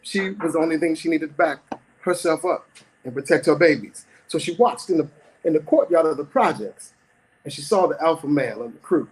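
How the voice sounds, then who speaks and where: A man's voice: on the high side, animated, brisk, a little hiss or hum, poor audio. A middle-aged man performing spoken-word storytelling at an open mic, dramatic, with rhythmic repetition.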